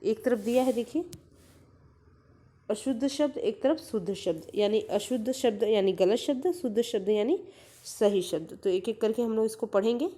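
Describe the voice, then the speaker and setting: A woman's voice: on the high side, normal speed, mellow. A woman teacher giving a grammar lesson to young children, patiently repeating each word aloud and explaining letters and vowel signs step by step.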